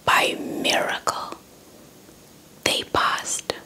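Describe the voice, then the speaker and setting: A young woman telling a story in a breathy ASMR whisper close to the mic, deliberate and softly repeating words. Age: young adult. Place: indoors in front of a dark cloth backdrop. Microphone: handheld small mic with fluffy windscreen, held close.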